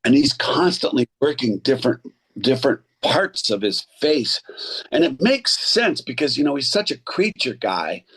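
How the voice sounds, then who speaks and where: A man in his sixties, an actor and voice coach, telling animated stories in a casual interview and slipping into others' voices. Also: medium pitch, normal speed, slightly rough. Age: 60s.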